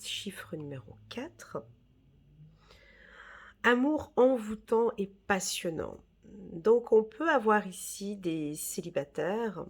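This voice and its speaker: Lady doing a tarot reading, bit husky, chatty and reassuring, lots of "d'accord?". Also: fairly low pitch, a little mellow. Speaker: tarot reader. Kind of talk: casual tarot reading monologue.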